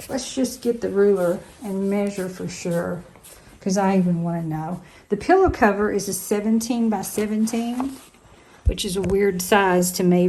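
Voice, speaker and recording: A woman in later life, a retired teacher, chatting casually to her vlog viewers in a slightly hoarse voice and thinking aloud as she goes. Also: mid-range voice, a little mellow, a little hiss or hum. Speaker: vlogger.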